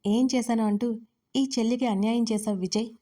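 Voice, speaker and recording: A woman voicing a fierce yet loving young wife who scolds sharply and presses hard, in a mellow voice. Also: on the high side, steady tone, brisk, lightly acted. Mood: probing. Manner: sharp scolding, then pleading.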